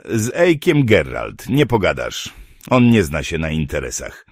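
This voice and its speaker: A man voicing a burly, rough male mercenary who grumbles and mocks in an audiobook. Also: sits low, wildly swooping pitch, measured pace, no echo, full character voice. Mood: mocking. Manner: grumbling, mocking.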